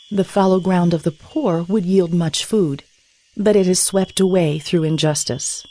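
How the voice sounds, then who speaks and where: A woman narrating scripture in a measured, declarative dramatized reading. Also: fairly low pitch, a little mellow. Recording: instrumental music bed. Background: instrumental music with guitar.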